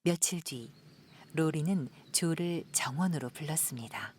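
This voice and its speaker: A woman narrating a literary audio drama in a soft, measured, dramatic storytelling style. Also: low voice, a little hiss or hum.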